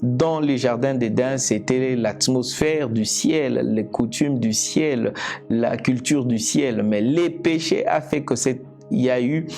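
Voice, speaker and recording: A man from Congo whose first language is Lingala, preaching a teaching sermon in a slow, deliberate way, repeating and restarting phrases. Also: medium pitch, warm tone. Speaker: evangelist preacher. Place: indoors, seated.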